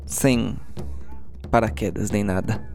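A man's voice: on the low side, fairly even intonation, slow pace, gravelly, darkish tone. Brazilian man running a tabletop game over music. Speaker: game master. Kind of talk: improvised narration of a tabletop game.

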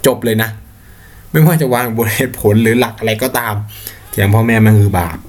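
A man's voice: fairly low pitch, a little fast. A young man hosting a podcast, talking casually in a blunt, slangy, argumentative way. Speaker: podcast host. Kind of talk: casual solo commentary.

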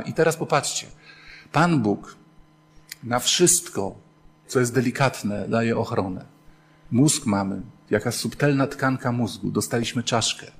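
A man delivers a sermon as a priest, his mid-pitched voice swinging between soft asides and loud bursts. He tells humorous stories with animation and acts out the voices of the people in them. Faint noise sits behind the recording. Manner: animated storytelling with playful humor, acting out voices.

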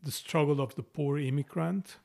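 A man's voice: on the high side, fairly even intonation, moderate pace, vocal fry, a little mellow. A middle-aged man with a strong Mexican Spanish accent, co-hosting a casual book talk and often restarting his phrases. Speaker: podcast co-host.

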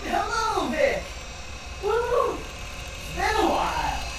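Shrill, manic, gleeful menace. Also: huge pitch swings, very noisy, exaggerated voice. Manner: exuberant, taunting, drawn-out delivery. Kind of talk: audio drama acting. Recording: echoing, distant, loud music behind.

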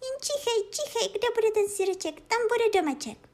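Woman voicing a small female kitten, storybook, very high pleading voice, fretful, bossy. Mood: eager.

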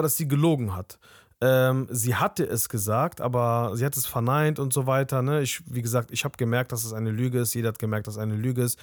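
A young man speaks at a middle pitch in a candid, conversational podcast voice and tells a personal story. His voice is close and dry, with no room sound around it. He keeps tagging his sentences with a little questioning aside. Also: no room sound. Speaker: podcast host.

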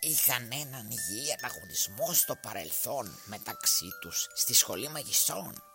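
A man's voice: mid-range voice, expressive, gravelly. A man voicing a gossipy figure who recounts an old rivalry between two witches. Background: music.

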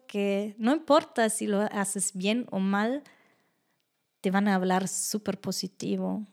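A young German woman with a German accent speaks Spanish as a second language, a guest in a casual interview telling stories from her life. She's animated and acts out the people she quotes, jumping high in pitch for their voices.

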